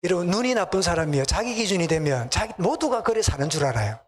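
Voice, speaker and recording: High-voiced Gyeongsang pastor preaching. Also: male voice, sing-song, quick pace. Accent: Gyeongsang Korean. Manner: conversational, asks the congregation questions. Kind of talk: sermon. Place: church sanctuary.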